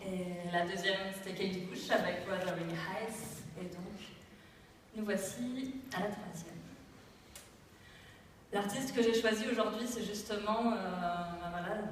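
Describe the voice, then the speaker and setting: A woman's voice: medium pitch, steady tone, unhurried, a little hiss or hum. Performance artist in her thirties, playful and reflective, recorded live at a distance. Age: 30s. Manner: thoughtful, playful, loosely improvised. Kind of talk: spoken commentary in a live stage performance. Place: arts venue, live performance. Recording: echoey live hall from far off.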